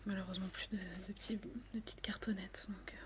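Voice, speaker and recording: A woman whispering softly as a perfume saleswoman in an ASMR roleplay, hesitating with many fillers. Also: medium pitch, flat delivery, brisk, noisy background. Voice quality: soft whisper.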